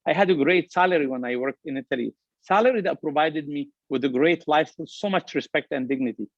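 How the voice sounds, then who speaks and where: A man's voice: on the high side, fairly quick, no room sound. Middle-aged man, heavy Lebanese accent, upbeat keynote speaker, dry close sound, slightly muffled. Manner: earnest, upbeat, emphatic with repeated phrases. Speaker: restaurant company founder giving a talk. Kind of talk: motivational keynote speech.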